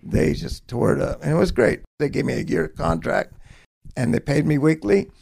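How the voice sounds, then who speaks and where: Middle-aged songwriter, gravelly, animated storyteller acting out quotes. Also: male voice, fairly high pitch, normal speed. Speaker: songwriter guest. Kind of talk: storytelling interview.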